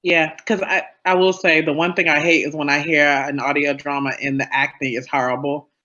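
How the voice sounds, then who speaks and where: Bright forceful voice, slightly dull recording. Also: medium pitch, little pitch movement, brisk. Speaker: panelist. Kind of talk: casual panel chat.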